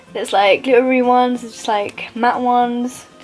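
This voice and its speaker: A woman's fairly high voice with fairly even intonation, music playing in the background. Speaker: beauty vlogger. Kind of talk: product review talk to camera. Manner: casual, chatty.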